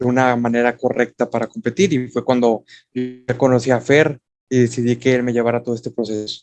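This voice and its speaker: A man talks at a moderate pace in a monotone, flat voice, with a dry, close sound and no echo. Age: 20s. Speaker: bodybuilding athlete. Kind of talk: casual chat.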